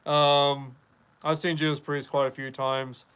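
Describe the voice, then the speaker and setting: A man's voice: on the high side, level tone, unhurried, a bit bright, clear, resonant tone. A man in his fifties from Wyoming, hosting a casual live podcast, rambling and chatting as he reads viewer comments. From Wyoming, USA. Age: 50s. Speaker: podcast host. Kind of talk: casual live-stream chat.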